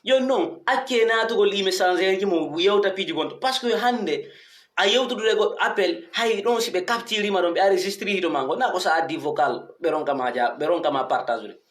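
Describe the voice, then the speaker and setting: A man's voice: sits high, brisk, fairly bright tone. A man giving an informal, emphatic commentary to followers, often asking rhetorical questions. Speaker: online commentator addressing followers. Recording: echoey untreated room.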